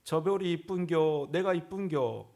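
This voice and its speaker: A man's voice: fairly high pitch, measured pace, vocal fry, darkish tone, pitched above the performer's own voice. A man playing a drawling Gyeongsang wife. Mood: coaxing. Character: plain-spoken Gyeongsang wife.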